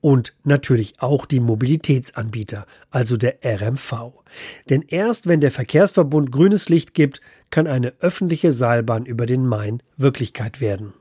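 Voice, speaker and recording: A male reporter narrating a scripted news feature in a measured way. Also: mid-range voice, dark tone, breathy edge, no echo, studio quality. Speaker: radio reporter.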